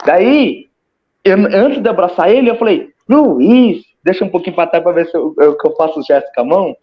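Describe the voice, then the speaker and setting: A man's voice: high-pitched, quick pace. A man with a Brazilian Portuguese accent, a guest telling his own story in casual testimony, hesitant, repeating words and acting out gestures. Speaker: interview guest recounting a near-death experience. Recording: slightly muffled lo-fi audio.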